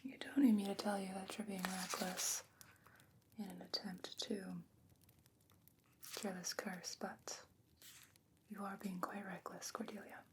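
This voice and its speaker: A woman playing a concerned, candid fantasy scholar in a whispered ASMR roleplay, speaking in a deliberate, musing way. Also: mid-range voice, level tone, close to an everyday voice. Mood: gently reproachful. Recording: noticeable background noise and ambience.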